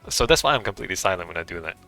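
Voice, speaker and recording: A man's voice: low voice, animated, rapid-fire, pushed and bright, faint music behind. A man whose first language is Cantonese, chatting casually as he plays a video game and thinks aloud. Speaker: game streamer. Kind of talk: casual let's-play commentary.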